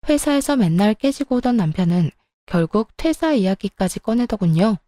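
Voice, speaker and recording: A woman's voice: mid-range voice, lively intonation, normal speed, warm tone, no room sound, studio quality. A woman narrating a first-person story as a young wife, with a plaintive, exasperated way of telling it.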